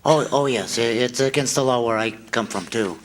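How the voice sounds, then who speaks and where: A man's voice: medium pitch, normal speed, slight background noise, lightly acted. A man playing a kindly, bumbling, cheerful apprentice guardian angel in a radio play, stammering, fussy and polite. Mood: chatty, flustered. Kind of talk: staged 1940s radio play acting.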